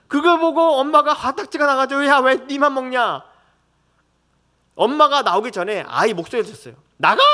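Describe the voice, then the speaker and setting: A man's voice: very high-pitched, fairly bright tone. A middle-aged man preaching a conversational sermon as a pastor, telling family stories and acting out voices.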